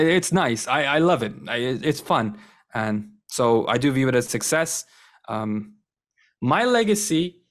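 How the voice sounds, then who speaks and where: A young man whose first language is Turkish, a guest chatting casually in an interview, enthusiastic and rambling with lots of fillers. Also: mid-range voice. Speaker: guest, wrestling content creator.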